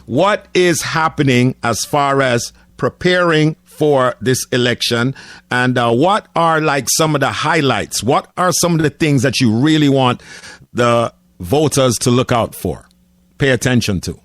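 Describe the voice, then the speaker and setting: A man hosts a casual radio interview in a studio. He talks in a laid-back way, dotting his questions with "uh" fillers. His voice sits at a middle pitch and sounds dry and close to the mic. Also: a little slow, fairly bright tone, dry recording. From Jamaica. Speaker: radio host.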